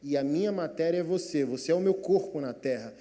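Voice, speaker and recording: A Brazilian man voicing God as a calm, patient voice who explains slowly, in a sermon. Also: a little high, long reverb tail, natural voice. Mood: calm teaching.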